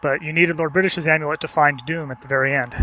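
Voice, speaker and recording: A man's voice: fairly high pitch, steady tone, fast. A man speaking as a panelist in a casual podcast discussion. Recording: dull, slightly noisy lo-fi connection.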